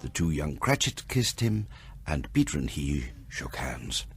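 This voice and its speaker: An actor as the grave narrator of a radio drama, telling the story in a measured, solemn, dramatic way. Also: male voice, extremely low pitch, very animated, vocal fry, slightly rough, heavily acted. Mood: solemn reverence.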